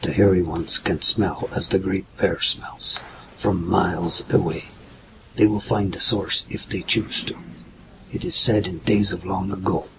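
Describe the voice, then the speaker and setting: Man playing a deep, gravelly wise elder. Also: background noise. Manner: slow, formal, proverb-laden speech. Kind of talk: radio drama acting.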